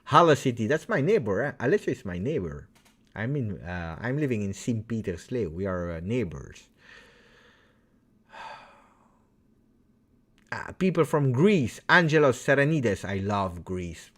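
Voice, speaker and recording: A man with an Italian accent, whose first language is French, hosting a live football fan stream and reading out viewer comments. He talks casually, with loud cheers one moment and low mutters the next. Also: big pitch swings, unhurried, pauses often. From Italy. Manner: chatty, greets viewers by name, swings from loud cheers to low mumbles. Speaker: football fan livestream host.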